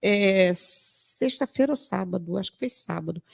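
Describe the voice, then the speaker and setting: A woman's voice: medium pitch, normal speed, gravelly. An older woman giving a spiritist lecture, emphatic and full of rhetorical questions, telling stories with acted quotes. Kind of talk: sermon-like lecture.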